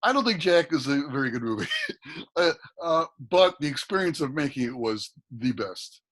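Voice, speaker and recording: A man in his thirties, guest actor on a podcast, talking casually with a deep voice, often repeating words and laughing. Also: wildly swooping pitch, moderate pace, fairly bright tone.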